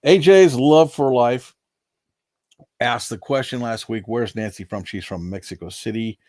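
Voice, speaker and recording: A man's voice: medium pitch, measured pace, a little mellow, no echo, clean studio sound. An older man hosting a casual live stream, rambling in a folksy way and reading out viewer names, a little nasal from allergies. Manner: rambling, folksy, chuckling asides.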